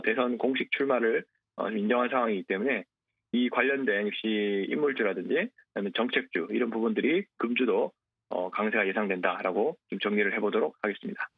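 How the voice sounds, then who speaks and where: Gravelly man on a tinny phone line. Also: lowish voice, brisk, dry recording. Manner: hesitant, frequent "uh" fillers. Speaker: stock market analyst guest. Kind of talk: market commentary.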